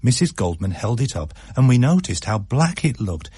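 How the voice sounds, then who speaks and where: A man reads a story aloud for radio, his voice husky and full of lively swings in pitch. He slows and quickens to shape each scene. The recording is dry and close. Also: no room sound. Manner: expressive, shifts pace for effect. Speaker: narrator.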